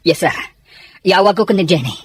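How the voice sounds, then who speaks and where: A woman's voice: on the low side, normal speed, husky. A woman playing an earnest, worried soldier in a radio drama, with a Filipino accent. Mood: worried, dutiful. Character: earnest, worried soldier tending a wounded comrade.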